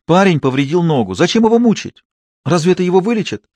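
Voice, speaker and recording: A reproachful young woman in a storybook reading, as a man puts her on. Her voice climbs high and quick as she scolds. The recording is dry. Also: big pitch swings, darkish tone, no echo.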